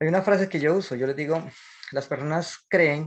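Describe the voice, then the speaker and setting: A man with a normal speaking voice at a moderate pace, with ordinary pitch variation. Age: 60s. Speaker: spiritual teacher and former Shaolin monk. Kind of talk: interview monologue.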